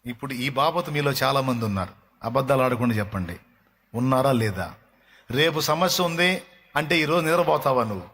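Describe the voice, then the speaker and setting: Animated Telugu preacher, man. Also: medium pitch, a little fast. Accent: Telugu, coastal Andhra. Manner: animated preaching, bursts into song, acts out dialogue with God. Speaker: pastor. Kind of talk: sermon. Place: church hall.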